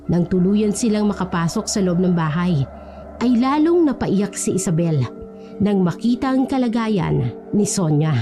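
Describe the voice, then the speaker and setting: A woman's voice: medium pitch, warm tone. Woman narrating a scary tale. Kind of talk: scripted storytelling narration.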